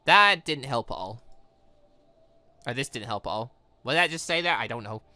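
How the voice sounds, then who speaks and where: A man's voice: mid-range voice, expressive, normal speed, bright, forceful tone, no room sound. A man giving casual, rambling let's play commentary on a game, swearing now and then. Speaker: gaming video host.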